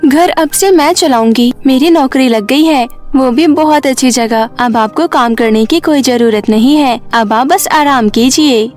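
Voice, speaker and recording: A woman's voice: high-pitched, unhurried, few pauses, darkish tone, soft background music. A woman voicing a caring, firm young adult daughter in a cartoon story, earnest and insistent. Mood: proud, reassuring. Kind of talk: Hindi cartoon story acting.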